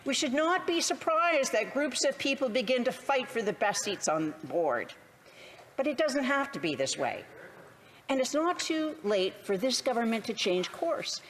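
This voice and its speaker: A Canadian woman, an opposition politician, delivers a prepared parliamentary speech with deliberate, sarcastic phrasing. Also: fairly high pitch, fairly bright tone, slight background noise. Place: legislative chamber.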